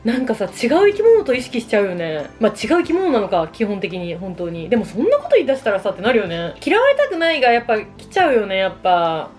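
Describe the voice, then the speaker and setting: A woman's voice: mid-range voice, sing-song, quick pace, few pauses, darkish tone, soft background music. A woman in her thirties chatting casually and confessionally over a meal, self-deprecating and giggly, often acting out imagined remarks. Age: 30s. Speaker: solo vlogger. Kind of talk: casual confessional chat, reacting to relatable dating woes.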